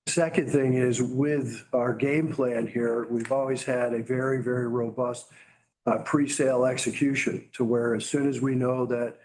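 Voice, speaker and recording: Even-toned male executive on a business call. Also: mid-range voice, rough recording. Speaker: company executive answering analyst questions. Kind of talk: semi-prepared business commentary on an earnings call.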